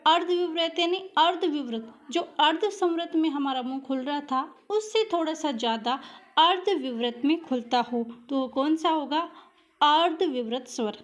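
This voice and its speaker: Woman, teacher, high voice, patient, repeats and answers own questions, exam-prep lesson. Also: normal speed. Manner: patient, drills vowel sounds aloud.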